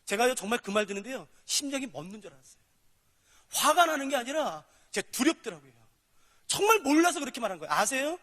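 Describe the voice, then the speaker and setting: A high, bright-voiced man delivers a sermon as a pastor, animatedly acting out dialogues between God and sinners. His voice rings with a long reverb from a large church hall. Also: sing-song, fast.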